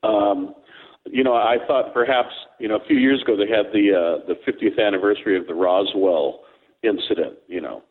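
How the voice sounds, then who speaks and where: A man's voice: fairly low pitch, normal speed. A man co-hosting a radio talk show, joking and rambling as he tells stories. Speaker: co-host. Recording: tinny phone line.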